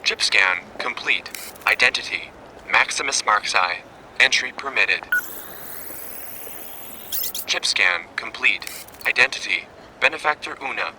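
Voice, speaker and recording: A man's voice: on the low side, expressive, measured pace, long pauses. A man voicing an impersonal automated checkpoint scanner in an audio drama, in clipped announcements. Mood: impersonal, procedural. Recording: noisy ambience behind the voice.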